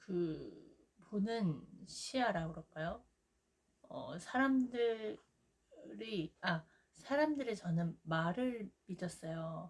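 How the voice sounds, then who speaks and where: A somewhat breathy woman speaks at a very slow pace. Her pitch swings very widely, and she leaves long, frequent pauses. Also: medium pitch for a woman. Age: 40s. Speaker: youtuber, sales trainee. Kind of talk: vlog monologue. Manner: hesitant fillers.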